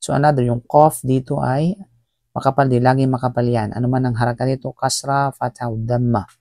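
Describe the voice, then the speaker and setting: A man teaching Tajweed online, chanting verses slowly and patiently correcting mistakes. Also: medium pitch, level tone, mellow, no room sound, studio quality. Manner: slow drawn-out recitation between quick explanations. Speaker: Quran recitation teacher.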